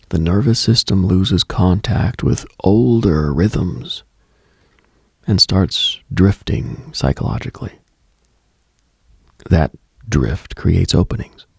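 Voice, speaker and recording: Hushed, husky and gravelly, a low-pitched man delivers a brooding, deliberate scripted monologue as a late-night radio host. The recording is studio quality with no room sound.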